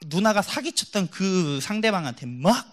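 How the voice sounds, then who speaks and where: A man preaching a sermon in church, telling stories with lively, acted-out voices and dropping from loud to hushed. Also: sits high, normal speed. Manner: animated storytelling, acts out quoted voices, swings from loud to hushed.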